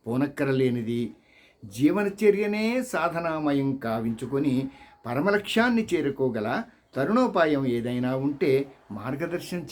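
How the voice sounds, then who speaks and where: A man reading sacred Hindu tales as scripted narration, in a measured, expressive manner. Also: medium pitch. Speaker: audiobook reader.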